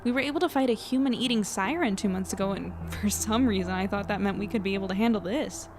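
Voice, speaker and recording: A woman's voice: mid-range voice, quick pace, a little hiss or hum, natural voice. An actress playing a worried, introspective young woman confiding her thoughts in an audio drama. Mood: troubled. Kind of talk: audio drama narration and dialogue.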